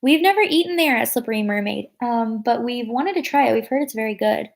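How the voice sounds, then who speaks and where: A woman's voice: on the high side, expressive, fairly quick, vocal fry. A young adult woman chatting casually to her viewers, rambling with lots of fillers and correcting herself as she goes. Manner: thinks aloud and corrects herself. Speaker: vlogger answering viewer comments. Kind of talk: casual live chat.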